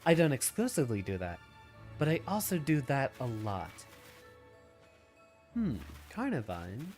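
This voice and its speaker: A man's voice: mid-range voice, huge pitch swings, a little slow, music in the background. A man streaming a video game with a stuffy, slightly nasal nose, musing aloud in an easygoing way and answering viewers' questions.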